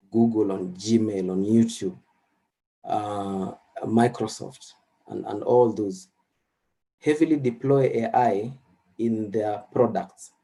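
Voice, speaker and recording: A man whose first language is Swahili, giving a recorded lecture with slides in an unhurried way, with many fillers and restarts. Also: mid-range voice, mellow.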